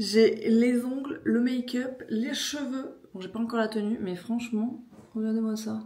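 Her delivery keeps a moderate tempo. The intonation doesn't shift much and stays fairly even. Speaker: beauty and lifestyle vlogger; lifestyle vlogger. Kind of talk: casual vlog talking to camera. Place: home room. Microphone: phone near.

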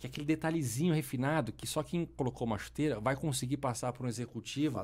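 A man talks at a very fast pace with vocal fry. His pitch variation is ordinary. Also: hardly any pauses. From Brazil. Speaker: professional footballer; podcast guest. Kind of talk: casual interview chat. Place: studio. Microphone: studio mic.

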